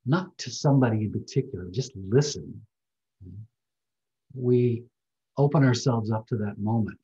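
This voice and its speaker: An older man giving a reflective talk on a video call, speaking softly and gently. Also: fairly low pitch, lo-fi sound. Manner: soft-spoken, slow and gentle. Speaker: guest speaker.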